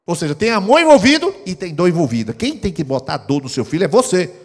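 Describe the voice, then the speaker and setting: Animated Brazilian pastor preaching in an echoey hall. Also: male voice, sits high, quick pace, slightly rough. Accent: Brazilian Portuguese. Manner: emphatic, animated preaching with sudden loud bursts. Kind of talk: sermon.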